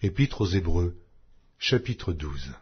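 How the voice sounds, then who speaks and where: A man narrating an audio Bible as a scripted reading, in a solemn, measured, carefully articulated manner. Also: low voice, sing-song, husky, lo-fi sound.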